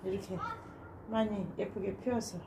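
A woman casually narrating a tour of her home balcony garden, gushing with soft admiring sighs. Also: mid-range voice, fairly even intonation, moderate pace, noisy background. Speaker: gardening vlogger. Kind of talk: casual narration while showing plants.

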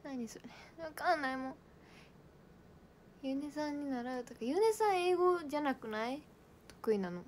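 A woman's voice: high-pitched, expressive, normal speed, pauses often, a little hiss or hum. A young woman chatting casually on a livestream, bubbly and giggly, reading out viewer comments. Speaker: idol livestream host.

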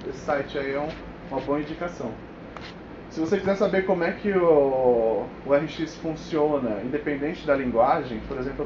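A Brazilian Portuguese-speaking man with a Brazilian accent gives an informal technical talk as a developer, colloquial and often checking in with his listeners. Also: a little high. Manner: colloquial, frequent check-in tags. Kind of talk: informal tech presentation with live demo. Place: indoor meetup room with whiteboard. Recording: echoey room, dull sound, clear noise.

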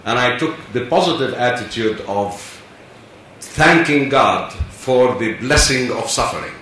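A man's voice: medium pitch, lively intonation, unhurried, fairly bright tone. Older man speaking in an echoey hall. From Palestine. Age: 70s. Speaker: conference panelist. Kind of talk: earnest personal speech. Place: large conference hall. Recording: echoey hall, distant mic, faint hiss.

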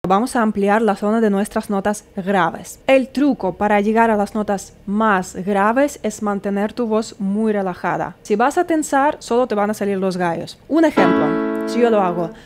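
A woman singing teacher giving a vocal lesson, calmly coaching and demonstrating exercises. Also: medium pitch, normal speed, few pauses. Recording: piano playing behind the voice. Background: loud piano.

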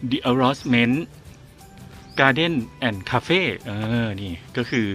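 A man's voice: mid-range voice, animated, very slow, fairly bright tone, soft background music. Chatty man vlogging on foot. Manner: chatty, exclaiming, talks to viewers as everyone. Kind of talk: casual walking vlog. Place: outdoors on a street and in a garden cafe.

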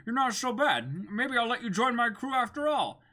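A man's voice: very high-pitched, sing-song, normal speed, bright, forceful tone, voice pushed up, full character voice. A man playing a carefree, hungry young male pirate with a blunt, casual way of talking.

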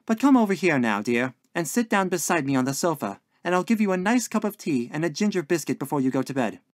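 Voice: medium pitch, big pitch swings, quick pace, no room sound, clean studio sound, voice pushed up, close to an everyday voice. A narrator voicing a dainty, scatterbrained older landlady in a story, with sweet endearments and a coaxing, genteel manner. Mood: sweetly coaxing. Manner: sing-song, sighing, motherly endearments.

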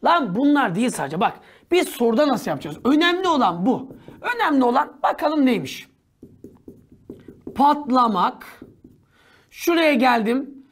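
A male teacher giving an energetic, joking grammar lecture in a slangy manner, now and then bursting into shouts. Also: very high-pitched, moderate pace, pauses often.

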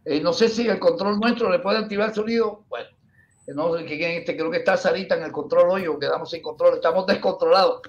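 A man's voice: high voice, fast talker, highs cut off. A man hosting a talk show over a video call, jovial, calling on guests and cutting in. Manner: jovial, interrupting, calls on guests. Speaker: host. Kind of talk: casual talk show banter.

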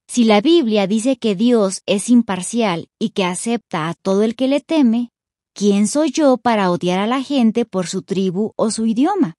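A woman's voice: medium pitch, darkish tone, dry recording, clean studio sound. A woman from Nigeria reading her own personal testimony in a heartfelt way. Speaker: testimony speaker.

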